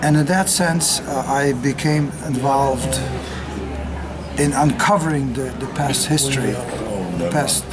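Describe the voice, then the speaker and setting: An older man who grew up in the United States, a retired sociologist giving an unscripted personal account, often pausing on fillers as he speaks. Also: medium pitch, over loud music. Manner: halting, with frequent filler pauses. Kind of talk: unscripted spoken testimony.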